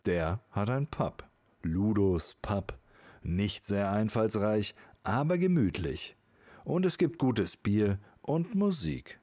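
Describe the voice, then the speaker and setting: A man's voice: fairly low pitch, expressive, slow, warm tone. A man narrating a scripted audio drama as a podcast host.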